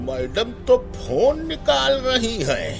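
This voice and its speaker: An actor playing a cocky young lout in a Hindi radio play, drawling and mocking. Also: male voice, very high-pitched, wildly swooping pitch, slow, gravelly, over music, exaggerated voice. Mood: mocking, jeering. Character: jeering, cocky young male lout on a train.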